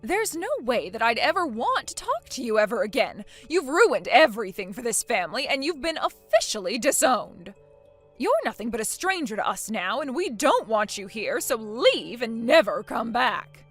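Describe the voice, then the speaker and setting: A domineering mother-in-law who barks orders and scolds, played by a woman. Her voice sits a little high and swings widely from line to line, with soft music underneath. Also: sing-song, moderate pace. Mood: furious. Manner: indignant, demanding, scolding. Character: domineering middle-aged mother-in-law, bossy. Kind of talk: acted family drama.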